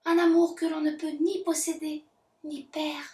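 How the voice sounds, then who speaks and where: A woman's voice: high-pitched, little pitch movement, moderate pace, distant mic, voice pushed up, natural voice. Woman doing a sugary heart chakra spirit. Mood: preachy. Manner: sugary, soft-spoken, preachy and loving. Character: gushing, syrupy heart chakra spirit, female. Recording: roomy echo.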